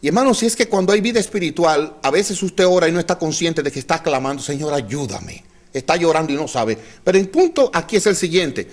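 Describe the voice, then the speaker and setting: A male pastor preaching a sermon to his congregation, calling them brothers and having them repeat phrases, with sudden drops to quiet, low emphasis. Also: animated, fast, hardly any pauses. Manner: dynamic delivery, drops to soft low tones for emphasis. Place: church.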